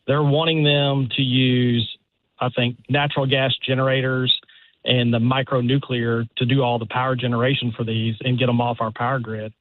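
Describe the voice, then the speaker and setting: A man's voice: medium pitch, level tone, normal speed, no room sound. A male caller from the Dallas area talks through a thin, tinny phone line with a dry sound. He explains his view earnestly and wanders as he goes. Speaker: radio caller.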